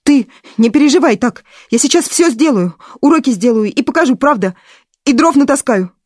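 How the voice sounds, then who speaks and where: Woman voicing a squeaky, flustered teenage boy. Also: expressive, moderate pace, darkish tone, no echo, studio quality. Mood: frantic. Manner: squeaky, pleading falsetto.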